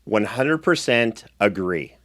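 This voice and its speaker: A man's voice: fairly low pitch, expressive, slow, fairly bright tone. A man hosting a casual recap show, talking in a playful, mock-indignant way. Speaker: podcast host and show producer.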